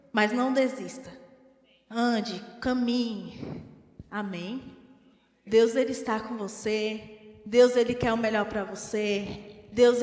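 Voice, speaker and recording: A woman with a Brazilian Portuguese accent preaching a teaching sermon in an animated way, acting out the voices she quotes. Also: fairly high pitch. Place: church hall. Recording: echoey church hall.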